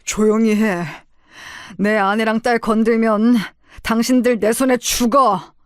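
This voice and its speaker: Woman doing a gruff ex-gangster father. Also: flat delivery, measured pace, no room sound, clean studio sound, close to an everyday voice. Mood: threatening. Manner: low, curt and threatening, then gentle. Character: gruff middle-aged father, former gangster, protective.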